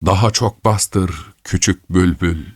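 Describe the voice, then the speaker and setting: A man's voice: sits low, takes it slowly, breathy edge, no echo, studio quality, heavily acted. A man voicing an urgent, pleading rose tree in a storybook reading. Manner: urgent, imploring.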